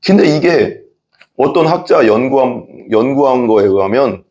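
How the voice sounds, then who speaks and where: A man's voice: mid-range voice, animated, normal speed, a little mellow. A male pastor preaching a sermon in a church, telling stories in an earnest, conversational way with emphatic repetition.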